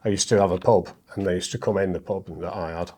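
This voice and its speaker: A man's voice: deep voice, fairly even intonation, fast, dark tone, husky. A middle-aged man with a northern English accent, speaking casually as an interview guest in a self-deprecating way. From northern England. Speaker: interview guest, poet and comedian. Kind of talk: casual interview chat with poetry recital.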